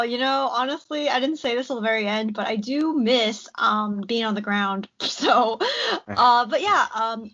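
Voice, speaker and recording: High-voiced, animated woman on a call. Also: muffled recording. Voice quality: high-pitched voice. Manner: animated and giggly, quick bursts of speech. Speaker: podcast guest, journalist and tarot reader. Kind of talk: casual chat over a call. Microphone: remote call audio.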